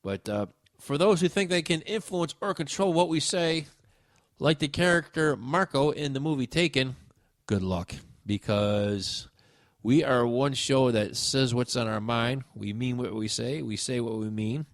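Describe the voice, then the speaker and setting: Male talk show host: dry and close, wry and rambling, mid-range pitch. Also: unhurried, no echo. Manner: rambling and wry, many filler uhs. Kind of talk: casual radio talk.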